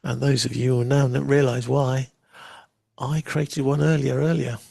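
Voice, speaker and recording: A man hosting a live software demo, chatting casually and making wry asides while he waits. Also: medium pitch, level tone, normal speed, creaky, dry recording, clean studio sound. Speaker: livestream host demoing software.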